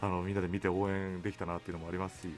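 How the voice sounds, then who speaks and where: A man's voice: deep voice, flat delivery, rapid-fire. A man hosting a radio show, chatting and interviewing attentively at a studio microphone. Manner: attentive, frequent backchannel responses. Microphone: studio boom microphone. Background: soft background music.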